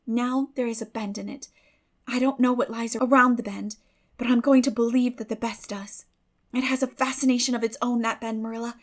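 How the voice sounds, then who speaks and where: A woman voicing a bright, determined, idealistic sixteen-year-old girl in a dramatic audiobook, eager, effusive and dreamy. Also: high-pitched, voice pushed up, close to an everyday voice. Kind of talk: dramatic audiobook reading of a classic novel.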